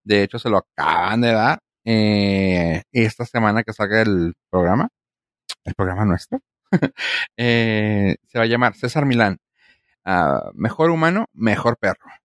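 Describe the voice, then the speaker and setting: A Mexican man talking informally as a podcast co-host. His voice is on the low side, his wording slangy, and the recording very dry and close. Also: expressive, unhurried, no room sound. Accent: Mexican Spanish. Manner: colloquial, slangy. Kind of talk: casual chat.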